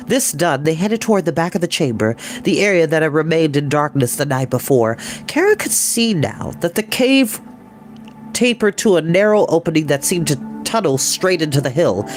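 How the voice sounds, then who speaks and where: A woman's voice: low-pitched, expressive, moderate pace. Woman reading a story over music. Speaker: storytime reader. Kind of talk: expressive children's story narration.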